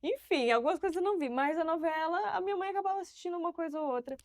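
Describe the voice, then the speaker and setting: A woman from Santa Catarina with a Florianópolis accent, hosting a relaxed interview, playful and quick to laugh. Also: very high-pitched, dry recording, clean studio sound. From Santa Catarina, Brazil. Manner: lively, laughs often, playful. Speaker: host. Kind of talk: casual interview chat.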